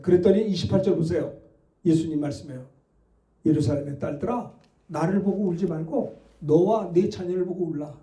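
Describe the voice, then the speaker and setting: Man, pastor, very high pitch; emphatic sermon delivery pressing the congregation with questions. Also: a little mellow. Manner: emphatic preaching with rhetorical questions.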